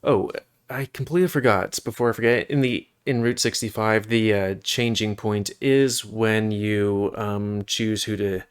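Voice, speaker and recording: A man's voice: lowish voice, fairly even intonation, measured pace, clear, resonant tone. A man giving casual, rambling commentary over a video game, with chatty asides.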